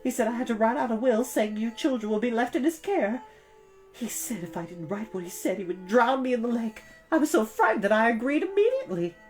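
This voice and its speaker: A woman's voice: a little high, lively intonation, fairly quick, darkish tone, faint music behind, pitched above the performer's own voice, natural voice. A woman voicing a fearful, fussy older aunt in a children's storybook, whining and scolding in a pedantic way. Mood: whining, frightened. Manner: whining, grammar-pedantic, stern.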